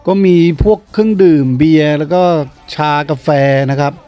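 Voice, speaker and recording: A man in his thirties speaks in a high-pitched voice, casually explaining things as a travel vlogger. He is chatty and informal, talking into a handheld camera outdoors, with music clearly behind him. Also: normal speed, warm tone. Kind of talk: casual vlog commentary. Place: outdoor small football stadium. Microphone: handheld camera at arm's length.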